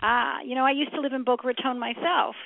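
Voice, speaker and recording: A middle-aged woman does live psychic readings over a tinny, narrow phone line. Her voice sits fairly high with a gravelly creak, and she talks haltingly, feeling her way through the reading in a familiar way. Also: steady tone, no echo. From upstate New York, United States. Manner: familiar, calls callers hon and sweetie; halting, thinking aloud as she reads. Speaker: psychic reader on a call-in show. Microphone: telephone.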